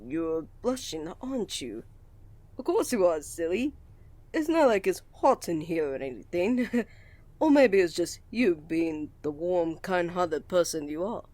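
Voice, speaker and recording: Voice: mid-range voice, expressive, unhurried, a little mellow, no echo, lightly acted. Actor doing a shy college guy with a crush, stammers a lot, sweet n polite, asmr roleplay, really dry recording. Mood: teasing, affectionate. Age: young adult.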